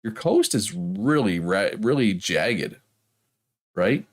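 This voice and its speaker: Talking slowly with big swings in pitch, a man with a fairly low voice rambles to his game livestream viewers. His Prince Edward Island Canadian accent comes through as he chats casually, repeatedly asking "right?".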